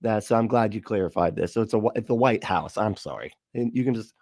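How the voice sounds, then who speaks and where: A man's voice: on the low side, fast talker, a little mellow, dry recording, clean studio sound. A man giving casual, sarcastic commentary on a clip, laughing often. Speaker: host.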